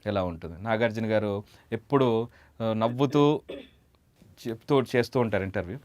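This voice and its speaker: A man's voice: fairly low pitch, moderate pace, darkish tone, no room sound. A man speaking as a guest mimicry artist, telling anecdotes in a conversational interview style.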